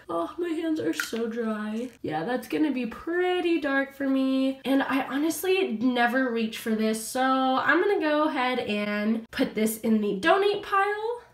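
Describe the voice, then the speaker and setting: A woman's voice: sits high, a bit bright. A woman beauty vlogger reviewing her products in a friendly, upbeat, chatty way, a little sniffly and congested from a cold. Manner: friendly, upbeat, talks straight to viewers. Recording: echoey room.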